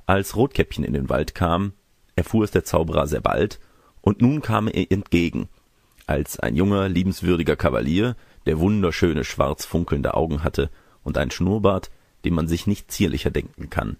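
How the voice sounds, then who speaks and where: A man's voice: low-pitched, animated, moderate pace, creaky, darkish tone, no room sound, clean studio sound. A man narrating a fairy tale from a script as an audiobook reader.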